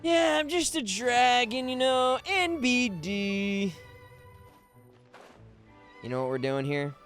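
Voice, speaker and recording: Male streamer, lively swings in pitch, casual playful commentary, rambling, faint game music behind. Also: slow pace. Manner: playful, rambling, thinking aloud. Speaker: streamer, voice actor.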